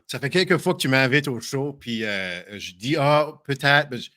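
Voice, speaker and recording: Bright-voiced man mixing in English. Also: medium pitch, animated, moderate pace. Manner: mixes English into French, self-conscious, hesitant. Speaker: guest. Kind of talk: casual podcast chat.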